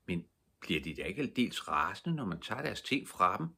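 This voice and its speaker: A man's voice: low-pitched, big pitch swings, creaky, pushed and bright, slightly rough, heavily acted. A man voicing a stubborn young girl in a storybook reading. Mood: puzzled.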